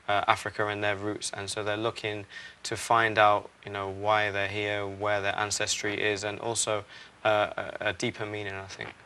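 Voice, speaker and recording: A young man from Barbados, founder of a charity, answering interview questions earnestly with many "uh" pauses. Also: fairly low pitch, bright, forceful tone, clean tone. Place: TV studio.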